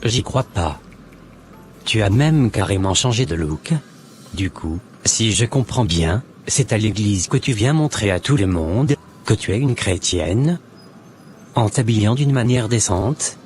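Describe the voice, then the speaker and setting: A man's voice: fairly low pitch, animated, measured pace, darkish tone, slight background noise. A man playing a newly converted Christian man in a cartoon, who speaks earnestly and exhorts others. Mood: exhorting.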